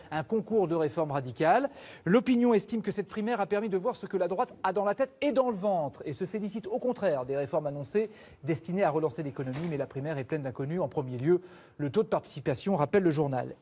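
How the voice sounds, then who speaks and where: Mellow French male news anchor, higher-pitched. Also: slightly rough. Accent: standard French from France. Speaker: news presenter. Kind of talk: live news presenting, headlines and press review.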